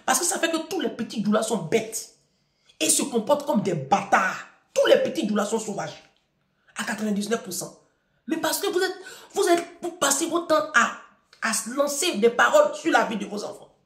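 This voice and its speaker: A woman's voice: fairly high pitch, very animated, moderate pace, roomy sound. A woman from Africa talking casually to an audience, telling a personal story and then giving emphatic parenting advice, addressing listeners directly and repeating phrases.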